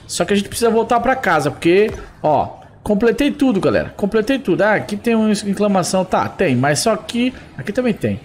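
A man doing excitable gameplay commentary, often exclaiming to his audience. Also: high voice, fairly quick, hardly any pauses, a little hiss or hum. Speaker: gameplay streamer.

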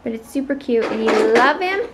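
A woman in her twenties, a mother vlogging at home at night, chatting casually and slowly to a phone held at arm's length. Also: a little high, heavy background noise. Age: 20s. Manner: relaxed, chatty, slow. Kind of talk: casual vlog chat to camera. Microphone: phone camera at arm's length.

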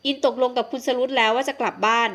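Bashful tomboyish young woman, voiced by a woman; soft polite audiobook part. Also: a little high, steady tone, fast, close to an everyday voice. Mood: remorseful.

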